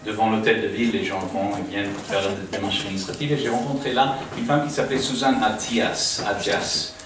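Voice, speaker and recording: American-raised man, guest church speaker, hesitant, low voice, distant and roomy recording with noise. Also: steady tone, a little fast. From United States. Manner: hesitant, many fillers and restarts. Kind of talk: informal talk to a small congregation. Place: living room used for a home church. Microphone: distant camera, speaking through a small PA. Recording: echoey room from a distant camera, audible noise.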